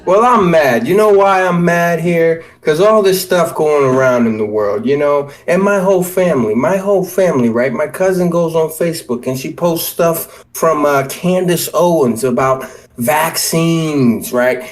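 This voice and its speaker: High-voiced man ranting on a podcast. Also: normal speed. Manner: heated, profane ranting. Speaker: podcast co-host. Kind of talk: casual podcast chat.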